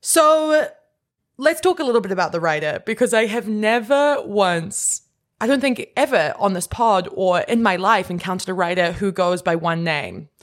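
A young adult woman co-hosting a podcast in casual, playful chat, wry and quick to laugh. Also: mid-range voice, animated. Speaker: podcast co-host.

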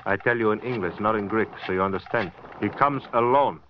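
An actor playing a menacing gangster who speaks slow, broken English and gloats, in 1950s radio drama acting. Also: male voice, on the low side, a little hiss or hum, lightly acted. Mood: gloating. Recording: dull lo-fi old radio recording.

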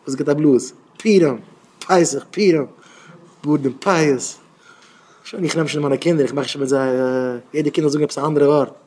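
A man's voice: medium pitch, a little mellow, slight background noise. A man, a rabbi, giving a Hasidic Torah talk, emphatic and repeating phrases in rising bursts.

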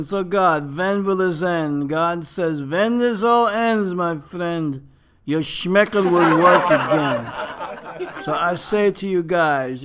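A man's voice: high voice, a bit bright. A man doing a fretful old Jewish man. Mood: solemn. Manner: kvetching, rambling, sermon-like. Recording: noisy, with crowd chatter behind.

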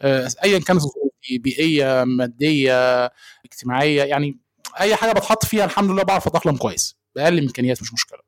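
A man's voice: medium pitch, rapid-fire. A young man from Egypt with an Egyptian Arabic accent, a podcast guest talking in an easygoing way, searching for words as he reflects. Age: young adult. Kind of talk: casual podcast conversation.

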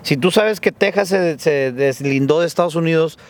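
A man's voice: a little high, normal speed. Slangy northern Mexican guy, raised voice. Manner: joking, slangy, theorizing. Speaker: podcast host. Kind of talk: casual chat.

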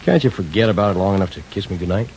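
A man's voice: low-pitched, racing, a little mellow, slight background noise, low-quality recording. An actor playing a breezy, glib man suspected of murder, in 1940s radio acting. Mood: defensive.

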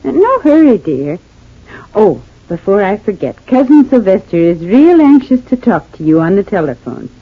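An actress playing a kindly, homespun older matriarch with country turns of speech, in old radio-drama style. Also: female voice, mid-range voice, big pitch swings, moderate pace, husky. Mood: homely warm. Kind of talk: 1940s radio acting. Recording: tinny thin old radio recording.

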